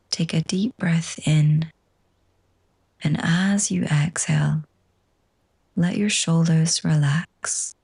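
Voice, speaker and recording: Leading a slow yoga nidra relaxation, this woman speaks in a deep, soft voice, breathy and husky. She sounds gentle, hushed and soothing.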